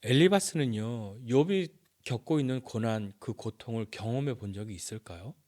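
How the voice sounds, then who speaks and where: A man's voice: medium pitch, normal speed. A male pastor preaching a sermon and acting out the dialogue as he speaks. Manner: animated, acts out dialogue.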